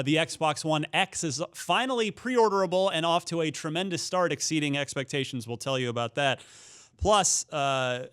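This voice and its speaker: A man's voice: a little high, fairly bright tone, clear, resonant tone. A man hosting a video games talk show, moving between upbeat presenting and casual chat. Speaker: show host.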